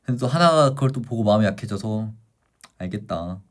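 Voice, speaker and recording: Talking fast at a medium pitch, a young man hosts a livestream. He chats animatedly with his viewers while retelling a book's plot.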